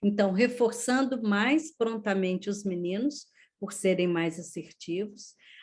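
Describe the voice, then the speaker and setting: A somewhat breathy woman's voice at medium pitch, fairly slow, with ordinary pitch variation. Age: 60s. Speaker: professor and giftedness researcher. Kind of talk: online lecture. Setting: online talk.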